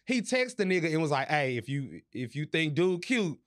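A man hosting a podcast, telling a story in casual chat, animated and profane, laughing as he goes. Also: a little high, moderate pace. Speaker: podcast host.

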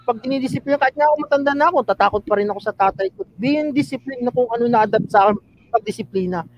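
A man's voice: very high-pitched, racing, dull audio. A man in a casual talk show, speaking earnestly and calling the others "sir". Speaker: show regular. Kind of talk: casual chat.

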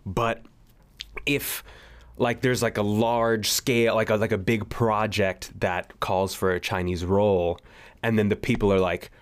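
A man's voice: lowish voice, steady tone, unhurried. A young man talking casually on a group voice call. He rambles and fills his sentences with "like". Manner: rambling, heavy use of "like". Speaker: podcast co-host, producer.

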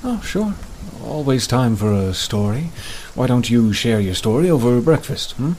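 A man playing a polite, hesitant, forgetful monster hunter in an audio drama, speaking in halting phrases. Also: mid-range voice, sing-song, a little mellow, slight background noise. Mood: hospitable, easygoing.

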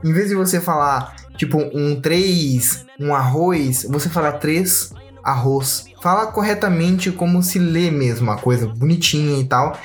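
A man with a Brazilian accent, chatting casually as a podcast co-host, slangy and animated, often mimicking voices for a joke. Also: fairly high pitch, normal speed, hardly any pauses, soft background music.

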